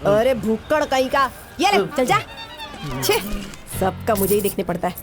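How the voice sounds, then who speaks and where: A woman's voice: fairly high pitch, sing-song, normal speed, music in the background. A brash female gang boss. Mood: scolding. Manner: swaggering, rough street talk. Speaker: gang leader. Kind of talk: Hindi film dub.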